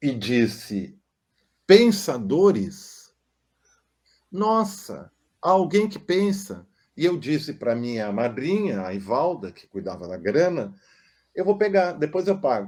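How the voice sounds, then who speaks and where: A man's very slow speech with long, frequent pauses, very wide pitch swings and big swings in loudness, on a very clean recording with a silent background. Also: fairly high pitch for a man. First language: German (speaking Portuguese). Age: 60s. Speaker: psychoanalyst. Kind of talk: interview conversation.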